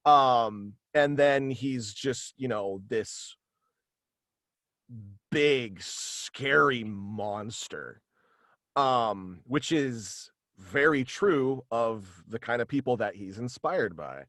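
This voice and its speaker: A man talking casually as an interview guest on a video call, halting and animated in manner. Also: mid-range voice, dry recording, clean studio sound. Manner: halting and animated, slipping into quoted dialogue. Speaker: guest, voice actor and author. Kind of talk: casual interview chat about own radio play. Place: indoors at home, on a video call.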